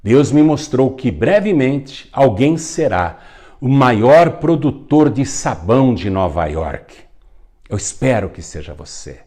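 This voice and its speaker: A man voicing a devout old country man who gives slow, emphatic, fatherly exhortations. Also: mid-range voice, big pitch swings, dark tone. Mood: exhorting.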